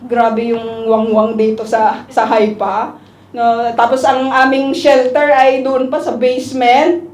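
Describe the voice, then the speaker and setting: A woman's voice: on the high side, little pitch movement, takes it slowly, a little mellow. A woman preaching a conversational Bible study sermon to her congregation, often checking in with the group as she talks. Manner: chatty, asks the group "di ba?" and "no?" often. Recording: echoey room recording.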